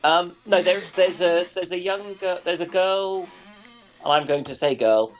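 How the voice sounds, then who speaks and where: Slow-paced, hesitant man in his forties. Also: sits high. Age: 40s. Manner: hesitant, starts and restarts phrases. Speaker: geriatrician who trains doctors. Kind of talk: casual group chat on a livestream.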